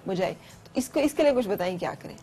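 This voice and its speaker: A woman hosting a morning talk show, brisk and friendly, moving callers and guests along. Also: medium pitch, lively intonation, mellow. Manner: brisk, friendly, quick acknowledgements. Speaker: host.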